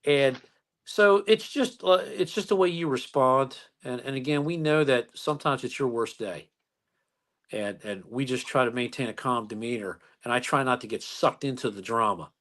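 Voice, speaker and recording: A man who is a police officer, telling stories calmly in a casual interview, with many fillers and restarts. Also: mid-range voice, normal speed.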